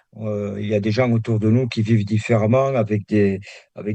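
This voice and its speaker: A dark, mellow tone in a monotone, flat intonation moves at a moderate pace over a quiet background. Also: man. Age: 60s. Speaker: meditation teacher. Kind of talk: interview. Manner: halting.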